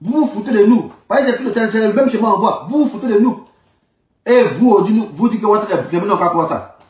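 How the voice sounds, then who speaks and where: A man from Ivory Coast with an Ivorian accent, an online political commentator, delivers an informal political rant in an emphatic, repetitive and indignant manner. His voice is high-pitched and fast, and the distant microphone gives the recording a roomy echo.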